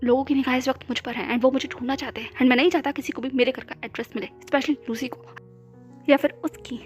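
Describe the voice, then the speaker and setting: A man's voice: very high-pitched, fairly even intonation, fast, soft background music. A woman voicing a lovestruck young male CEO who pleads and hurries his words. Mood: insistent.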